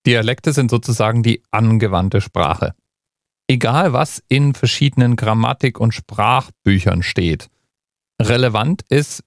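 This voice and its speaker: A man's voice: medium pitch, creaky, no room sound, studio quality. A man from Bavaria, host, talking through a topic in a conversational, explanatory way. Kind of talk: scripted explainer narration.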